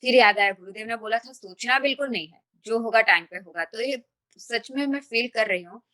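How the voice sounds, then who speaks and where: A woman's voice: on the high side, a little fast, a bit bright. Woman earnestly sharing her nervousness. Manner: earnest, nervous confessional telling. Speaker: study group member. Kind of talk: casual group sharing.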